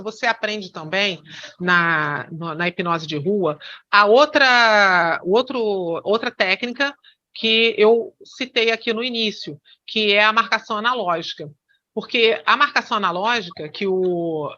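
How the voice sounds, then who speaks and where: A woman's voice: mid-range voice, pushed and bright, dull audio. A woman teaching hypnosis in an online lesson, explaining with many fillers and restarts.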